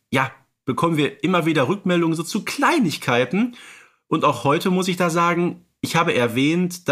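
A man's voice: a little high, fairly bright tone. A man co-hosting a fan podcast in casual chat, hesitant, searching for words and correcting himself as he goes. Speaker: podcast co-host.

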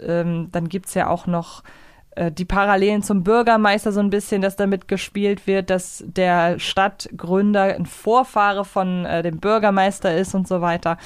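This woman co-hosts a podcast, casually discussing an audio drama episode and explaining her opinions in loose, reflective asides. Her medium-pitched voice has a clean tone with clean studio sound and no room sound.

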